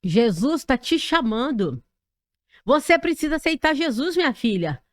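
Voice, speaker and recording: Caring church worker, soft-spoken but insistent, slightly high voice, played by a woman. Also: very animated, unhurried, no echo, studio quality. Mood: urging. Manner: pleading, insistent, higher and gentler.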